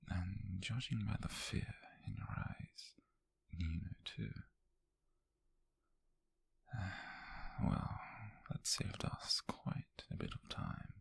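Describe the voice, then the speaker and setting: Man acting a gravelly whispering British mafia captor. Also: sits low, fairly even intonation, dry recording, heavily acted. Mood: cold menace. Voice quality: breathy, husky whisper. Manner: slow, deliberate, menacingly tender. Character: possessive male mafia kidnapper, obsessive, softly menacing, tender. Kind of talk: ASMR roleplay, intimate whispered acting.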